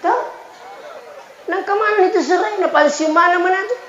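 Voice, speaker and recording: A man in his forties with a Bugis accent gives a humorous, folksy Muslim sermon in two languages, bantering with listeners and repeating phrases. His voice is extremely high, fairly bright and at normal speed. The PA sound is echoey and dull, with crowd murmur and light noise.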